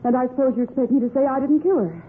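A woman playing a defiant, sharp-tongued young secretary under suspicion in a 1940s radio crime drama. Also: high-pitched, animated, rapid-fire. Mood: cool, guarded. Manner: curt, defiant. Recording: muffled, scratchy 1940s radio recording.

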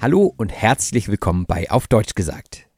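A man hosting a German-language podcast for learners, speaking in a friendly, clear and measured way. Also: fairly low pitch, sing-song, darkish tone, soft background music. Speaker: podcast host. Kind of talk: relaxed podcast interview.

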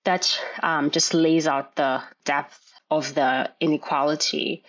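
Woman, low voice, measured explanations, slightly dull lo-fi audio. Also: steady tone, a bit bright. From Kenya. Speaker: gynecologist guest. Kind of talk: podcast interview.

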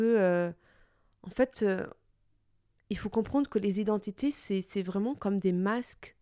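A young woman with a mellow, warm voice and an Italian-Portuguese accent, a native Italian speaker musing aloud in a personal podcast. She talks thoughtfully, pausing and restarting as she searches for words. The recording is close and dry, with no room sound. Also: mid-range voice, dry recording. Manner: thoughtful, hesitant, many pauses and restarts. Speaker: podcast host. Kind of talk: reflective personal monologue.

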